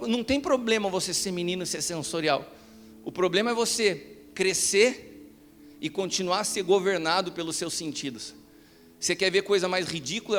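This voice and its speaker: Brazilian pastor, middle-aged, emphatic sermon delivery, soft music under a long hall echo. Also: male voice, high-pitched. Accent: Brazilian Portuguese. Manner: acts out quoted dialogue, rises to emphatic preaching. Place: large church hall. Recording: live church recording with hall reverb.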